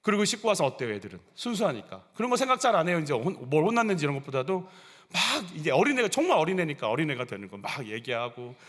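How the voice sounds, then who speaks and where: A male pastor delivering a sermon in a church. He speaks high in pitch with a wide, expressive melody. He acts out everyday scenes to drive his points home. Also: fast talker. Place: church sanctuary.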